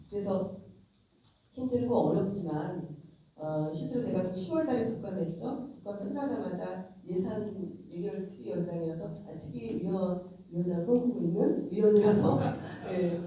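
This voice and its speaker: A woman's voice: mid-range voice, dark tone, a little hiss or hum. A middle-aged woman with a cold, a lawmaker giving a frank, conversational lecture straight to her audience. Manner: frank, emphatic, addresses audience directly. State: has a cold. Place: convention center lecture hall. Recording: very echoey hall, distant mic.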